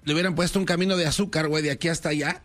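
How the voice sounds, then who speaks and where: A man's voice: on the high side, steady tone, very fast, fairly bright tone, soft background music. A Mexican man co-hosting a sports talk show, needling his partner with sarcastic jokes. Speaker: co-host. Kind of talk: joking sports talk banter.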